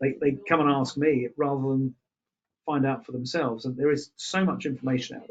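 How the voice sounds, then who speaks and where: A man with an English accent, fairly high in pitch with ordinary pitch variation, at a fairly quick pace with big swings in loudness. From England. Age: 50s. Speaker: maritime industry executive. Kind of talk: webinar Q&A. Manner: halting, many fillers and repeats.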